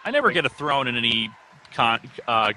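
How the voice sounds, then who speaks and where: A man chatting casually in a film commentary, wry and quick to laugh, stammering at times. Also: mid-range voice, very animated, pushed and bright, slight background noise, low-quality recording. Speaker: guest reviewer.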